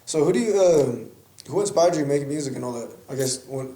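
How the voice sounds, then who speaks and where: A young man hosting a podcast, asking relaxed slangy questions and backing up his guests. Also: medium pitch, a little fast, roomy sound. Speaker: podcast host. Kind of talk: casual podcast interview.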